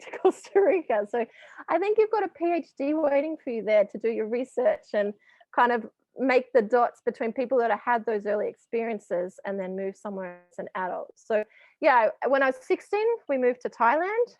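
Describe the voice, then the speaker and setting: A woman's voice: fairly high pitch, dry recording. An Australian woman in her thirties, telling stories in a casual interview and laughing often. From rural Victoria, Australia. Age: 30s. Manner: chatty storytelling, laughs often. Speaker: guest.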